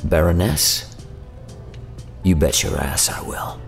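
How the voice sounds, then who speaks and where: Low-voiced, sardonic rogue, music behind. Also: male voice, animated, slow, gravelly, full character voice. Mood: wry. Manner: slangy, sardonic, casually profane. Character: irreverent, roguish male otherworldly emissary, whiskey-drinking schemer. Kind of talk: audio drama acting.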